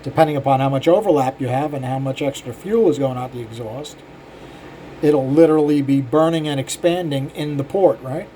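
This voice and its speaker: A man's voice: mid-range voice, a little fast, mellow, a little hiss or hum, poor audio. An older man, a cylinder head porter, casually talking shop to his viewers in a rambling, self-deprecating way with many fillers. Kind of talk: casual shop talk to camera.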